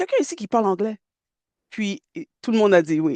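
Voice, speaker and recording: A woman's voice with very wide pitch swings, moderate pace, and a dry, close sound with no echo. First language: English (speaking French). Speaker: background actor. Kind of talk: casual anecdote in an online chat. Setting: video call. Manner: halting, many hesitations.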